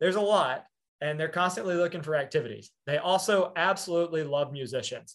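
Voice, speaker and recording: A man in a Tennessee accent speaks with ordinary pitch variation over a quiet background. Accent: Southern US (Tennessee). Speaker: real estate agent, team leader. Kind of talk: webinar presentation.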